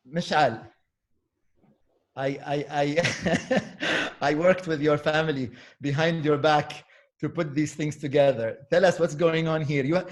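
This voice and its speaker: Man, host of a video-call talk, somewhat high voice, relaxed, halting delivery with fillers, computer mic. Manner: relaxed, halting with fillers, mixes in Arabic words. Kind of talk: online panel talk, hosting over video call.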